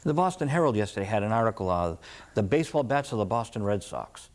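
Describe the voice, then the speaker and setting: A man's voice: on the low side, animated, fast, a little mellow. A man hosting a casual interview, chatty and interjecting with comments and questions. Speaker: interviewer, show host.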